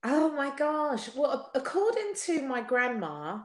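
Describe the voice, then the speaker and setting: A woman in her forties, a singer being interviewed, talking in an animated, chatty way with quick laughs and frequent restarts. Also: high voice. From United Kingdom. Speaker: guest singer. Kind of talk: casual interview chat. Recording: echoey room.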